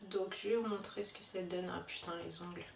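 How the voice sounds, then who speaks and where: A woman's voice: lowish voice, fairly even intonation, fairly quick, gravelly, roomy sound, recorded from a distance, slight background noise. A woman chatting casually about beauty products she bought, hesitant with many fillers. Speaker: beauty vlogger. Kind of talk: casual haul video chat.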